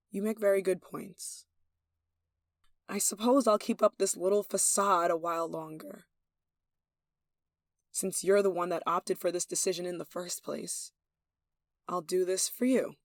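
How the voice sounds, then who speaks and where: A woman's voice: on the low side, fairly even intonation, a little slow, long pauses, no room sound. Lovestruck royal heir, close and dry played by a woman. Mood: resigned, wistful. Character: lovestruck, possessive young royal heir, playful and commanding. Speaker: voice actor in an audio roleplay. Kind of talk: intimate ASMR roleplay acting.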